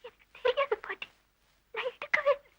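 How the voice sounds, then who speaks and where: A woman's voice: very high-pitched, normal speed, sharp tone, no room sound, highs cut off. An actress playing a grown young woman with a childlike mind, whining and complaining to her grandmother in a 1980s film. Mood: sulky.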